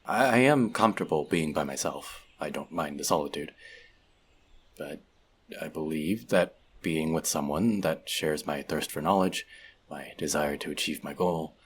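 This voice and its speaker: A man's voice: very deep voice, moderate pace, slight background noise. A man playing an earnest, bookish elf outcast in an audio roleplay, confiding in a friend in a hesitant, self-doubting way. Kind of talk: scripted audio roleplay addressed to the listener.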